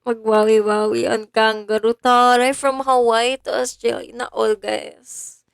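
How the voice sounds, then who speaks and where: A woman's voice: on the high side, flat delivery, a little slow, gravelly, clean tone, no echo, clean studio sound. A young woman from Bulacan in the Philippines, chatting casually on a phone livestream and thanking her viewers by name. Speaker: idol livestreamer.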